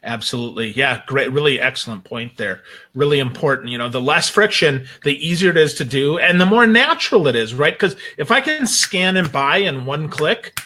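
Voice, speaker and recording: A man with a very bright, forward voice pitched a little high, talking casually on a panel show. He sounds enthusiastic and peppers his talk with folksy exclamations. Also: animated, moderate pace.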